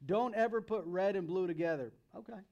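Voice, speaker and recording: A youth pastor in his thirties with an American accent preaches a sermon to young people, speaking in a conversational yet emphatic way and repeating phrases for emphasis. His voice is high-pitched, creaky and darkish in tone, and he talks fairly quickly. The recording sounds lo-fi.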